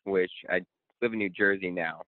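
A man from Connecticut, a guest speaker and coach, talking in a relaxed, rambling way with many ums. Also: low voice, moderate pace, no room sound. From Connecticut, USA. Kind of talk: casual interview. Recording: tinny phone-line sound.

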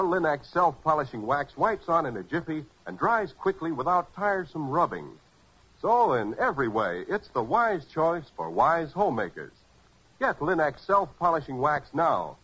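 A man's voice: fairly high pitch, very animated, moderate pace, fairly bright tone, husky. A man with an American accent announcing in polished, emphatic 1940s radio advertising style. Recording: muffled 1940s radio recording.

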